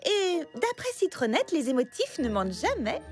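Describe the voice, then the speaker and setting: A woman's voice: high-pitched, wildly swooping pitch, moderate pace. A woman voicing a friendly, wide-eyed cartoon shopkeeper girl with an enthusiastic, chirpy manner. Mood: delighted. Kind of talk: dubbed children's cartoon acting. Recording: faint music behind.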